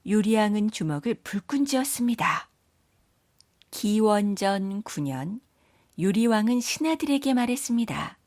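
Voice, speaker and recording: A woman reading scripted children's story narration in a measured, careful storytelling manner. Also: medium pitch, lively intonation, darkish tone, no room sound, studio quality.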